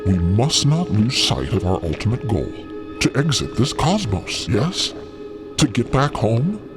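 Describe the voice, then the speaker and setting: A man's voice: medium pitch, big pitch swings, a little slow. A man playing a courteous, cautious alien in an audio drama, with formal wording and hesitant stammers. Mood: grave, cautioning. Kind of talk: scripted audio drama acting. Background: music.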